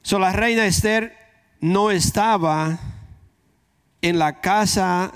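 A man's voice: high voice, takes it slowly, fairly bright tone, clear, resonant tone. A man with a Dominican accent preaching a conversational sermon, repeating key phrases for emphasis. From Dominican Republic.

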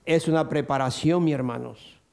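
An older man preaching a sermon to a church congregation, acting out the voices he quotes and rising to high, excited bursts. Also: moderate pace, vocal fry.

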